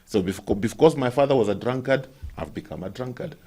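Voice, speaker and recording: A man with a Kenyan accent hosting a talk show, telling stories and asking questions in a lively way. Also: mid-range voice, fairly quick, slightly rough. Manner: animated storyteller who poses questions. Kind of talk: casual talk-show discussion.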